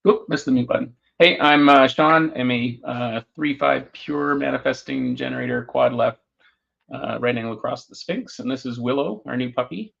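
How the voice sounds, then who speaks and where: A man's voice: mid-range voice, normal speed, gravelly, fairly bright tone. A man introducing himself in an offhand, joking way on a group video call. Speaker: call participant. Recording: muffled lo-fi call audio.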